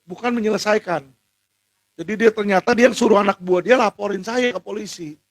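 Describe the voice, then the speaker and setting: An indignant man delivers a heated monologue, his voice pitched high for a man and often climbing into shouts. The sound is close and dry, with no room echo. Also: a little fast. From Indonesia. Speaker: lawyer speaking out on legal injustice. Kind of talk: impassioned monologue to camera.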